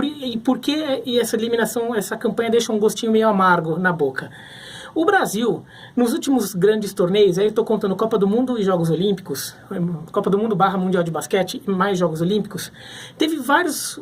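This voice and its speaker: A man's voice: sits high, husky. A man from Brazil giving casual sports commentary to camera, thinking aloud with frequent restarts.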